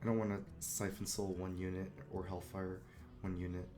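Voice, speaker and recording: A hoarse man with a cough, casually commenting while he streams a card game and thinks aloud about his moves. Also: sits low, little pitch movement, moderate pace. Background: game music.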